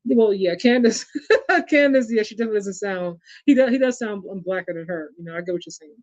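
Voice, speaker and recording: A man's voice: high-pitched, brisk, no echo. New york guy hosting a sports chat, keeps saying y'all, dry muffled sound. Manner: chatty, addresses the audience as y'all and reads viewer comments aloud. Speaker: podcast host. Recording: dull lo-fi sound.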